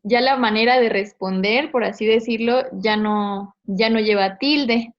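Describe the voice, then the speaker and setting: A woman's voice: a little high, unhurried. Woman teacher, patient step-by-step explanation, dull lo-fi audio. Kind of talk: online class explanation.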